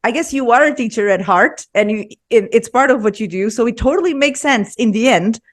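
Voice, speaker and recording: A woman hosting a casual podcast interview, bubbly and quick to laugh. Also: a little high, lively intonation. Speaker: podcast host.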